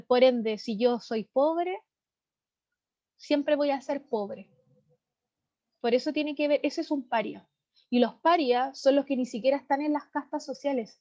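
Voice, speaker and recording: A woman's voice: high voice, unhurried, long pauses, darkish tone. A woman teaching a literature class online, explaining vocabulary and often checking in with tag questions. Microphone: computer mic on a video call. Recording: slightly dull video-call audio.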